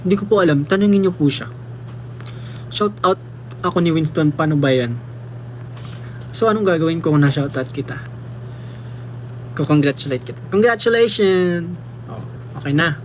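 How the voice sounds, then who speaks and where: A man's voice: on the high side, lively intonation, moderate pace, pauses often, slight background noise. Playful Filipino young man on a phone livestream. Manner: playful, teasing, mixes Tagalog and English. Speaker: livestream host reading fan comments. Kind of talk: casual livestream chat.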